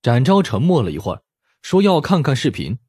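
A man's voice: medium pitch, wildly swooping pitch, a little fast, warm tone, breathy edge, dry recording, clean studio sound. A man reading scripted story narration expressively, as an audiobook narrator.

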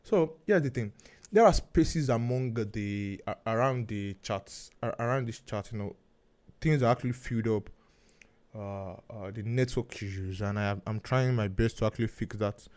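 A man with a Nigerian accent hosting a podcast interview, speaking haltingly with many restarts and fillers. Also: lowish voice, darkish tone. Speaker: podcast host.

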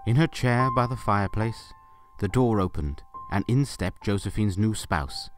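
A man's voice: fairly low pitch, moderate pace, over music. A man narrating a scripted story for an audio drama.

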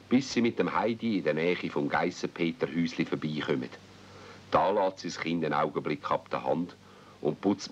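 A man narrating a children's radio play as a storyteller, speaking Swiss German. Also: extremely low pitch. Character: male storyteller of a children's tale. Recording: muffled, noisy old 1970s audio play recording.

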